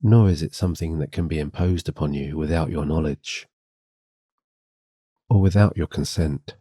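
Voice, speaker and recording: Very deep, dark-toned soothing man. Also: slightly rough, no room sound, studio quality. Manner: gentle, soothing, unhurried guiding delivery. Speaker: sleep hypnosis guide. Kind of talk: guided meditation, scripted hypnosis talk-down.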